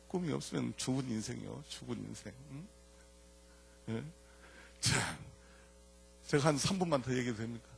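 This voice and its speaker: An older man, a church elder telling a lively testimony to an audience, swinging between loud punchlines and quiet asides. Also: medium pitch, vocal fry, breathy edge. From Jeolla, South Korea.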